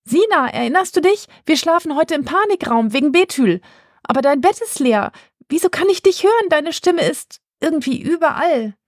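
Brief: woman voicing a practical young girl in an audio story, urgent and commanding, a bit above her own pitch. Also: lively intonation, moderate pace, no echo, clean studio sound. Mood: worried.

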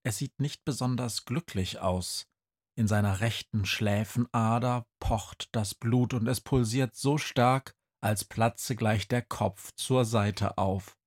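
A narrator telling a children's story in a calm, measured way. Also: mid-range voice.

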